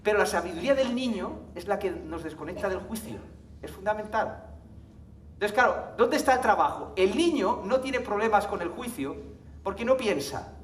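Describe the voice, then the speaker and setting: A man giving a lively public talk to a live audience, asking rhetorical questions and joking. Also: sits high, normal speed, distant mic, a little hiss or hum. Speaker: conference speaker. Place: lecture hall with audience. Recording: echoey hall, voice from afar.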